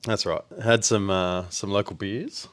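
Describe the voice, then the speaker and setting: A man's voice: lowish voice, steady tone, unhurried, clean tone, dry recording. A laid-back Australian man from Western Australia, co-hosting a podcast in casual chat and rambling with fillers. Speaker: podcast co-host.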